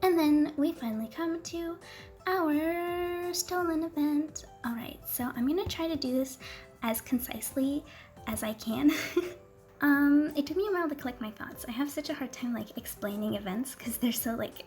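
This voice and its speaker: High-voiced, gushing young woman gamer. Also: moderate pace, darkish tone. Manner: chatty and giggly, gushing over cute characters, many ums. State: losing her voice, coughing. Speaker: gaming video creator. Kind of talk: casual gameplay walkthrough. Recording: faint music underneath.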